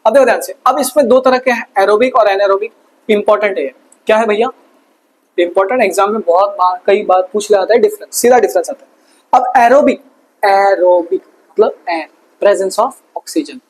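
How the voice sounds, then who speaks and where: A man teaching a fast exam revision lesson, casual and chatty, asking quick questions and answering them himself. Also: high-pitched, slight background noise, rough recording. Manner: quizzes himself with quick call-and-response questions. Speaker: science tutor.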